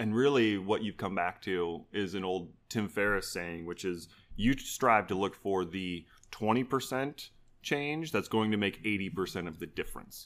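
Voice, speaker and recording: An unremarkable speaking voice: a man with fairly low pitch and ordinary pitch variation, at a moderate pace. The recording is very clean, with a silent background. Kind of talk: casual interview chat.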